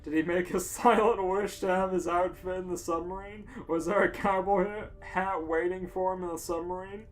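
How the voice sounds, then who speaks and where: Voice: mid-range voice, steady tone, normal speed, few pauses. Podcast co-host, amused, giggly, comic read-aloud, faint background music. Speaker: podcast co-host reading fan fiction.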